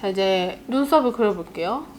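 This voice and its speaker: A young woman doing a makeup vlog in casual chat, animated and laughing often as she reads comments. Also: medium pitch, moderate pace, a little hiss or hum. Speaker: beauty YouTuber. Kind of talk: get-ready-with-me makeup vlog.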